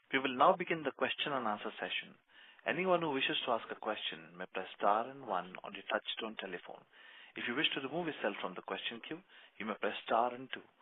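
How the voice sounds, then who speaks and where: A man's voice: mid-range voice, slightly rough, dry recording. A man moderating a conference call, reading formal scripted announcements. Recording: dry tinny phone line.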